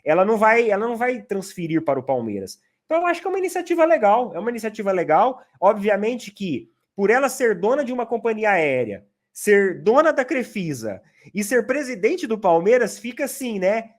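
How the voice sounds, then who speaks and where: A man's voice: high voice, sing-song, brisk. A man hosting a casual football chat, talking at length and often tagging his sentences with fillers. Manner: chatty, explains at length with many "né" fillers. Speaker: channel host, Palmeiras fan.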